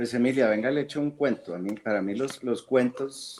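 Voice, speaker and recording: With a normal speaking voice, a man talks at a moderate pace and his pitch varies in an ordinary way. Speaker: oil company executive. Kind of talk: interview conversation.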